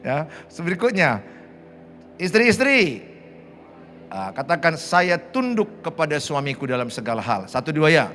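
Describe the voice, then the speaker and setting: A man's voice: on the high side, very animated, measured pace, a bit bright, slight background noise. A middle-aged man, preaching a sermon and having the congregation repeat lines after him. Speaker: pastor. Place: large church hall.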